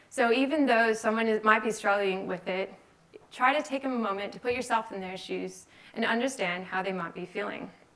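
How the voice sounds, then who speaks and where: A woman speaks at a fairly quick pace with a fairly high pitch. Noticeable background noise and audible room echo fill the recording. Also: ordinary pitch variation. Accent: American. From California. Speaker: software engineer and conference speaker. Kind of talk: conference talk.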